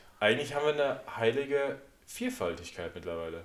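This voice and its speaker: Using lively intonation and vocal fry, a man speaks at a fairly quick pace with a medium pitch. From Sauerland, Germany. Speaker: podcast co-host. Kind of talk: casual chat. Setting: studio.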